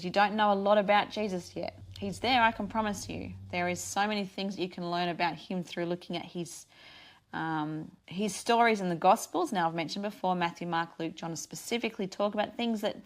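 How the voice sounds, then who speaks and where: A tired woman presenting on Christian radio, losing her voice and speaking earnestly with frequent restarts. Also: mid-range voice. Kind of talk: casual devotional radio talk.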